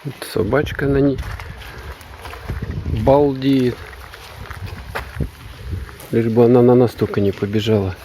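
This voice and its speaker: Walking-vlog voice, slow and offhand, short rambling remarks, clear outdoor wind noise on the mic. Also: mid-range voice. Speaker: vlogger filming a walk. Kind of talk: casual unscripted walking commentary. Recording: noisy outdoor recording, wind and ambience.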